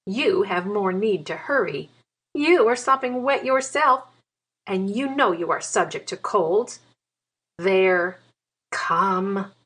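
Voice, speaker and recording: A man reading a story, voicing a proud, quick-tempered grown woman in a raised voice with a sharp, scolding manner. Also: high-pitched, lively intonation, husky, voice pushed up, heavily acted. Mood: indignant.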